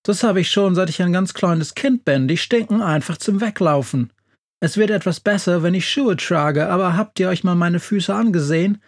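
A man's voice: high voice, moderate pace, voice pushed up. Man doing a bashful shoe-mad monster. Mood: sheepish. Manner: bashful, excitable, tearful. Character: big hairy male shoe-loving monster, soft-hearted.

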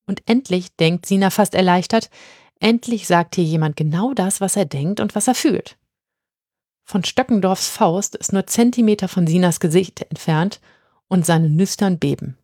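A woman narrating a storybook in a lively, even-paced reading. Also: lowish voice, normal speed, no room sound, studio quality. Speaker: audiobook narrator.

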